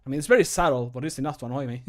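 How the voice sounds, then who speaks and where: Casting: man in his thirties, medium pitch, informal streamer who mutters and jokes about his own work. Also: rapid-fire. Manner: self-critical, joking, thinking aloud. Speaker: streamer recording mod voice lines. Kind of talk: casual livestream chat. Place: small home room. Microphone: close desk microphone.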